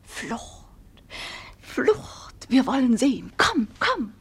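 A woman playing an anxious, tender governess in a classic radio play, with a theatrical, halting and emotional delivery. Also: sits high, very animated, slightly rough, heavily acted. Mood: distressed, conspiratorial.

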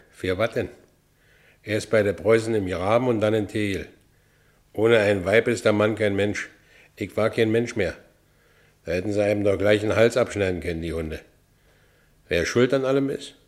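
An actor playing a brooding, restless working-class ex-convict with a Berlin accent in a radio play. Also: male voice, on the low side, darkish tone, close to an everyday voice. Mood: agitated, bitter. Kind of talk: radio play first-person narration.

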